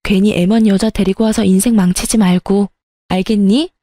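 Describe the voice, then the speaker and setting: A woman voicing a sharp-tongued young woman who breaks off her engagement, speaking bluntly and cuttingly. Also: medium pitch, steady tone, normal speed, dry recording, clean studio sound, natural voice. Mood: scornful.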